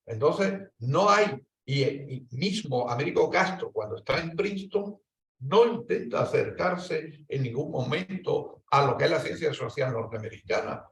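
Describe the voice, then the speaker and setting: A man with a Spanish accent speaking on an academic panel, talking in long winding stretches with restarts and lively rises in pitch. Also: unhurried, vocal fry, a little hiss or hum. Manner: discursive, hesitant restarts, animated rises. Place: lecture hall. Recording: echoey hall, distant mic.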